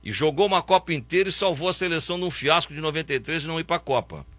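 A man's voice: on the high side, very fast, a bit bright, no echo. A man, hosting a football talk show and ranting bluntly and sarcastically about the national team. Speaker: sports commentary host. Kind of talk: opinionated football commentary.

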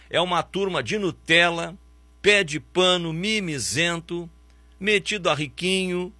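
Man, sports talk host, blunt sarcastic rant, husky bright voice, very animated pitch. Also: no room sound. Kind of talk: opinionated football commentary.

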